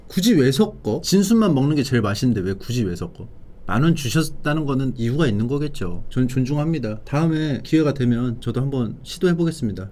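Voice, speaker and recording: A man's voice: mid-range voice, a little mellow. A man hosting a casual food-tasting livestream, talking to viewers in an opinionated, playfully argumentative way. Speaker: livestream host reviewing snacks. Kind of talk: casual mukbang livestream chat.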